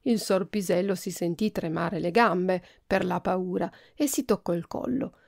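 Gravelly woman reading a children's story. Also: on the low side, a little slow, dry recording, clean studio sound. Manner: lively, expressive storytelling. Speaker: podcast host, reader. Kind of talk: reading a children's book aloud.

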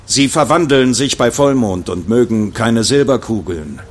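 Animated, skeptical investigator's colleague. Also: male voice, mid-range voice, measured pace. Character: skeptical, speculative male colleague of an inspector. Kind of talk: German horror audio drama acting.

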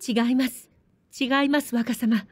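A woman voicing a spirited young girl in a samurai-era story, speaking high and pleading. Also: steady tone, unhurried, darkish tone, no echo, close to an everyday voice. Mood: indignant.

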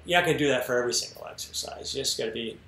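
A man's voice: mid-range voice, racing, crowd noise. A man in his thirties co-hosting a fitness podcast, talking earnestly and swearing casually, speaking through an earbud mic on a video call from home. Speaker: podcast co-host. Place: home room with bookshelves, indoors. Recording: echoey room.

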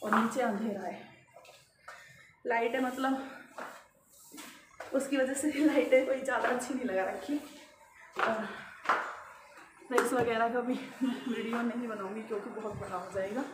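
A woman's voice: a little high, fairly even intonation, unhurried, pauses often, reverberant, very noisy. Chatty woman vlogging while cooking. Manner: chatty, talks to viewers while cooking, frequent fillers. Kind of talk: casual cooking vlog narration. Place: home kitchen and rooftop.

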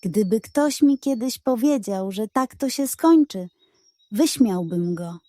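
A woman plays a proud tribal chief from an animal pirate tale. He speaks gravely and slowly, in a lifted storybook voice. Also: fairly high pitch, animated, dark tone, no room sound. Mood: reflective. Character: two gruff old-rival male tribal chiefs, weary, reconciled.

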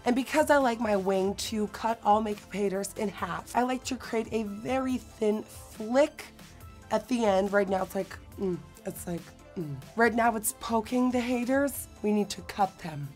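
A young woman with a hoarse, recovering voice and a Dutch accent, chatting dramatically through a makeup tutorial in a studio. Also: medium pitch, a little slow, soft background music. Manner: bubbly, dramatic, self-mocking. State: hoarse from illness. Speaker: beauty vlogger. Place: indoor studio set.

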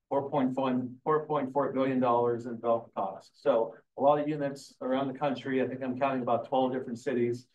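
A man's voice: mid-range voice, a little mellow. A man representing a developer, steadily listing facts and figures to a meeting. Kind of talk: presenting facts. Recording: muffled, echoey and distant.

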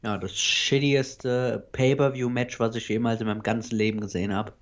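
A man's voice: medium pitch, steady tone, normal speed, highs cut off. A man co-hosting a casual podcast, blunt and dismissive, swearing freely. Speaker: podcast co-host.

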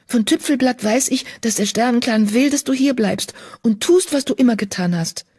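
A woman voicing a calm, kind young female medicine cat in an audiobook, speaking softly and reassuringly. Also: a little high, normal speed, breathy edge, voice pushed up. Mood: soothing. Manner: soft, soothing, reassuring. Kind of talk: audiobook character voice.

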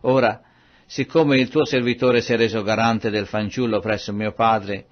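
A man reading scripture aloud in a measured, solemn way. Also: fairly low pitch, fairly even intonation, dull audio. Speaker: Bible reader.

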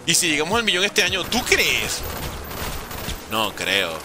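A man's voice: fairly high pitch, huge pitch swings, a little slow, noisy background. A man in his thirties from Venezuela with a Venezuelan Spanish accent, chatting casually as a gaming streamer while reading chat and humming little sounds as he plays. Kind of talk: live gameplay commentary reading chat.

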